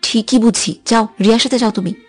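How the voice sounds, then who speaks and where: A young woman playing a teasing, quick-tempered heroine in a dramatized audio love story, bickering and sulking playfully. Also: fairly high pitch, dry recording, soft background music, lightly acted. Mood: sulky.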